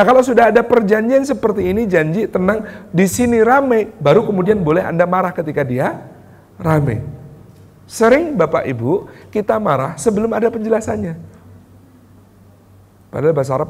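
Male preacher from Yogyakarta, fairly high voice, lively parenting talk acting out family dialogues, reverberant hotel hall. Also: breathy edge. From Yogyakarta, Indonesia. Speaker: Islamic preacher. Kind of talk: religious parenting talk to an audience. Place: hotel function room. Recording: echoey hall sound.

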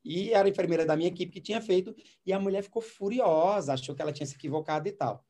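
A man with a mellow, somewhat high voice talks quickly as a doctor. He tells a clinic story conversationally and voices both sides of the dialogue. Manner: recounts cases and acts out the dialogue.

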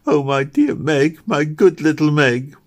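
Man voicing a weary, plaintive seamstress, pitched high. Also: lively intonation, unhurried, a bit bright. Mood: tearful. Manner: plaintive, curt, argumentative. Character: poor, weary, despairing young seamstress Kitty.

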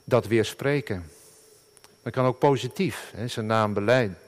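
Middle-aged male pastor, earnest sermon, halting delivery with fillers, mid-pitched voice.

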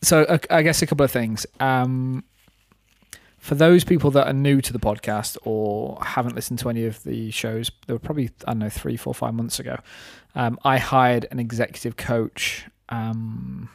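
A man's voice: mid-range voice, fairly even intonation, normal speed, creaky, dry recording, studio quality. A man of thirty chatting casually on a podcast in a reflective, rambling way, explaining his own thinking. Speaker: podcast host and business owner.

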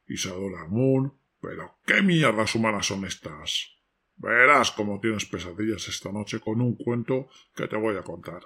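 A man playing a grumpy, sardonic ghoulish father in an audio drama, with a low rasping voice. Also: fairly bright tone, full character voice. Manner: grouchy, sardonic. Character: grumpy, sardonic ghoulish father telling horror bedtime tales.

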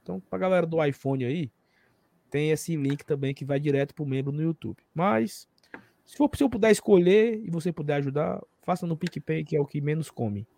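A man with a Ceará accent co-hosting a live stream, telling stories in a lively, chatty way. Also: on the high side, brisk, gravelly. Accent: Northeastern Brazilian, Ceará. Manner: animated storyteller. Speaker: live show co-host. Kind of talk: casual chat and anecdote telling.

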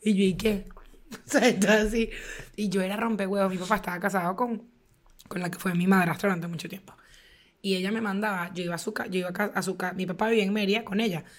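A woman's voice: medium pitch, fast. A woman with a Venezuelan accent co-hosting a podcast, telling stories in casual chat and acting out the quoted dialogue. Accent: Venezuelan Spanish. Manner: animated storyteller who acts out quoted dialogue. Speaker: podcast co-host.

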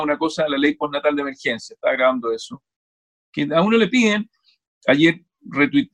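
A Chilean man with a somewhat high voice talks casually as an interview guest. He is animated and digressive. He restarts sentences often as his thoughts run ahead. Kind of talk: casual conversation.

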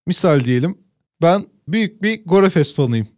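A man's voice: a little high, expressive, a little mellow, no echo, clean studio sound. A man co-hosting a casual chat, telling long comic stories and drawing out words for effect. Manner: drawn-out comic storytelling. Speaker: podcast co-host.

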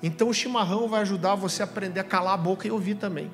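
A young adult man from Brazil preaching a sermon, telling a story in a lively, slangy way with asides to the crowd. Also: high-pitched, racing. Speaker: pastor. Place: church hall. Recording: music under voice in a reverberant hall.

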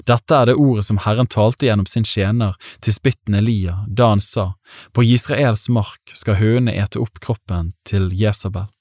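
A man's voice: lowish voice, steady tone, a little mellow, dry recording, clean studio sound, natural voice. A man voicing a stern ancient warrior king in a scripture reading, blunt and commanding.

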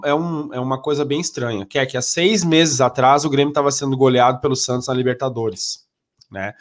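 A man with a nasal, congested voice, talking sports in a casual, meandering way. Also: a little high. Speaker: sports commentator.

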